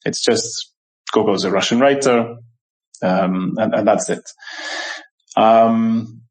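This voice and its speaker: Thoughtful low-voiced Scottish-born man. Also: slow pace, rough recording. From Scotland. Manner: thoughtful, many fillers and restarts. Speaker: scholar and translator, interview guest. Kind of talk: reflective interview conversation.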